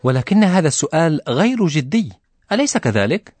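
A man's voice: a little high, very animated, brisk, darkish tone, no echo. A man hosting a radio language lesson, putting questions to the teacher for the listeners. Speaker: radio host.

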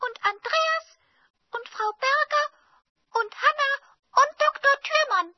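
A piping invisible sprite. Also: female voice. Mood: playful. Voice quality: very high, piping. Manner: playful, teasing. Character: invisible female fantasy being, mischievous. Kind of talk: language course radio play. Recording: dull lo-fi recording.

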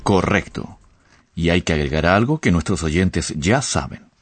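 A man explains grammar as a patient professor. His voice is very deep but moves lively in pitch. The sound is dry and close. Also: measured pace, breathy edge, no room sound. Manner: didactic, patient. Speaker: language professor.

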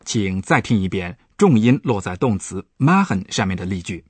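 A man's voice: fairly low pitch, sing-song, normal speed, husky, no room sound. A man, a professor, patiently explaining German grammar points on a radio language lesson. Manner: patient, explanatory, stresses example words.

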